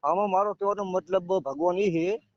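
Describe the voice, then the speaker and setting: A man's voice: sits high, moderate pace, no room sound. A man with a Gujarati accent debating on a phone call, conceding points and putting his objections in a conciliatory way. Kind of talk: argumentative phone conversation. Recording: dull, dry lo-fi phone call.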